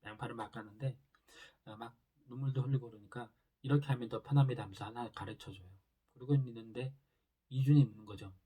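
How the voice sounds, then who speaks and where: A man walks through a drama's plot in an easygoing recap, stringing scenes together with plenty of filler words. His voice sits in a mid range and sounds husky and dark. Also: mid-range voice, fairly even intonation, brisk. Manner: loose retelling with many fillers. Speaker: drama reviewer.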